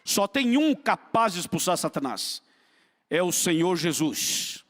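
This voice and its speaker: A man's voice: high-pitched, big pitch swings, measured pace, fairly bright tone, long reverb tail. A man preaching a sermon as pastor, fervent and repetitive, asking the congregation for responses in a church.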